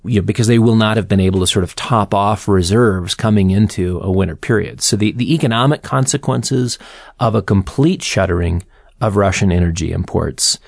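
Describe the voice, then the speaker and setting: A man answering interview questions as an energy market analyst, explaining in a measured way with some fillers. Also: on the low side, gravelly, dry recording.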